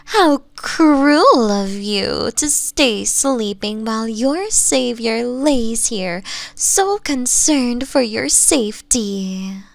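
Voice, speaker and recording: A woman voicing a flirtatious, possessive nine-tailed fox woman in an ASMR roleplay, speaking softly and coaxingly and slipping into breathy whispers. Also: a little high, expressive, very slow, few pauses, no room sound, heavily acted. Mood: doting, teasing.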